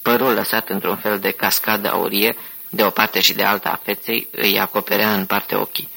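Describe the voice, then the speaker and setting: A man narrating an audiobook in a steady, even storytelling manner. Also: fairly low pitch, creaky, husky, poor audio.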